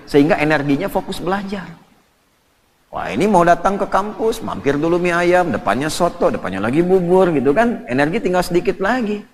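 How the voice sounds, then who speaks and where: Male preacher, higher voice, animated and humorous sermon delivery, long hall reverb. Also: a little hiss or hum. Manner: animated and joking, lively storytelling with laughs. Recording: distant reverberant hall, faint ambience.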